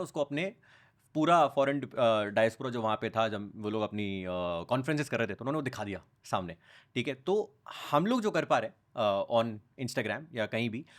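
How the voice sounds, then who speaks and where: A young man talking as a podcast guest, telling stories in a lively, casual way. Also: mid-range voice. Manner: animated, storytelling, mixes Hindi and English. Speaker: podcast guest, news content creator.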